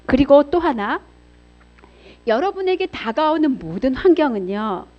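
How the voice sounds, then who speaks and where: Brief: middle-aged woman preacher, high lively voice, dramatic storytelling, dull lo-fi church recording. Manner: expressive storytelling, acts out voices, swings between loud and hushed. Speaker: pastor's wife giving a seminar talk. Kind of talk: church seminar sermon. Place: church hall. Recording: dull lo-fi sound.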